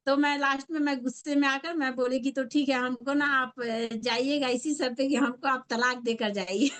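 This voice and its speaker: A woman's voice: sits high, fairly even intonation, moderate pace, a bit bright. A middle-aged woman tells her personal story in a conversational way, acting out the voices of people she quotes. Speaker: guest sharing her story. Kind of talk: personal testimony.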